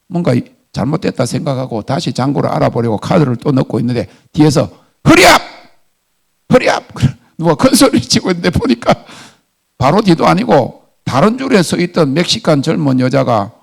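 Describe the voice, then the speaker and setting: A middle-aged man, a pastor with a Gyeongsang Korean accent, preaching a sermon as an animated story and acting out what people said, chuckling as he goes. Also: mid-range voice, vocal fry, husky.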